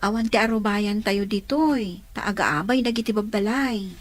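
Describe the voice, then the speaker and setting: A woman's voice: medium pitch, normal speed, dry recording, natural voice. A Filipino woman playing a chatty aunt in a radio drama, explaining things matter-of-factly. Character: chatty, matter-of-fact aunt answering a child. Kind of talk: Ilocano radio drama acting.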